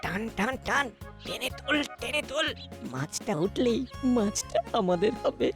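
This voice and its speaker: High, whiny cartoon troublemaker. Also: female voice, big pitch swings, unhurried, over music. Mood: scheming. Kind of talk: exaggerated comic cartoon acting.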